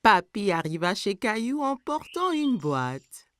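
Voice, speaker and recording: A woman's voice: mid-range voice, sing-song, measured pace, fairly bright tone. A woman reading scripted children's story narration as the storyteller of a cartoon.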